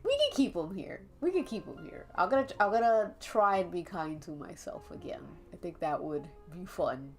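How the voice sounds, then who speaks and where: A woman's voice: on the low side, normal speed, few pauses. A young woman with a congested, stuffy nose, chatting casually and rambling to her chat while she draws, laughing often. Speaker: art streamer. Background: faint calming jazz music.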